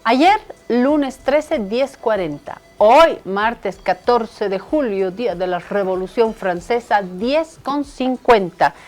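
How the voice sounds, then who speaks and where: Woman TV host, lively conversational manner, teasing, faint music behind. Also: fairly high pitch, slow, few pauses. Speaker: TV show host. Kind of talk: casual TV talk show.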